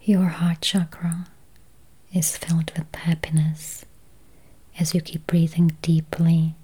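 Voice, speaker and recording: Whispering, breathy woman guiding meditation slowly. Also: low voice, little pitch movement, mellow. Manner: slow, soothing, with long pauses. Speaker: guided meditation host. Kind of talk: whispered guided meditation with affirmations.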